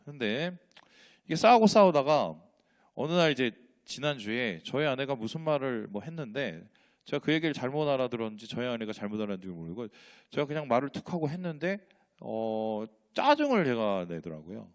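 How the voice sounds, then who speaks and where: In a church sanctuary, a pastor preaches a sermon in a mid-range, sing-song, brisk voice. He poses rhetorical questions and acts out dialogue, switching between different voices.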